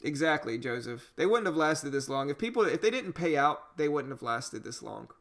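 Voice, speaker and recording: A man with a slightly high voice talks at a moderate pace, hosting a day-trading livestream. He's from Louisiana, with a light Cajun accent, and he chats with viewers in a relaxed, conversational way, reading their comments and saying "you know" a lot.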